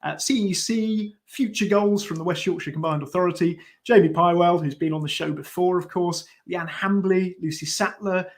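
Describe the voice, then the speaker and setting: High-pitched man hosting a show. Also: normal speed, hardly any pauses. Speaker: show co-host. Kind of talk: upbeat live show announcements.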